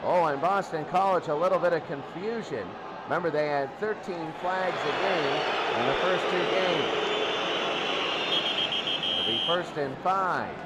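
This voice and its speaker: A man doing excited football play-by-play in short clipped phrases, repeating downs and yardage. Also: a little high, measured pace. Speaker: play-by-play announcer. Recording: noisy game broadcast, loud crowd. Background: loud crowd and heavy background noise.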